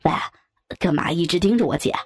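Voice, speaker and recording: A woman voicing a nervous, hesitant teenage boy who is the narrator's younger brother, with soft music behind. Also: low-pitched, steady tone, vocal fry, husky, pitched below the performer's own voice, full character voice. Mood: annoyed. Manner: hesitant, hurried.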